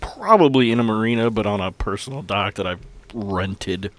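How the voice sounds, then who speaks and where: A man's voice: fairly low pitch, animated, normal speed, a bit bright. A man chatting casually as a player improvising in a tabletop roleplaying game.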